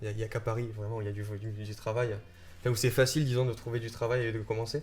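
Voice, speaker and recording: A man talks very fast with a slight southern French accent, at medium pitch. His voice is somewhat breathy, with monotone, flat intonation. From southern France, Cahors. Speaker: electronic music producer and sound engineer. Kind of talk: radio interview. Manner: hesitant, many fillers.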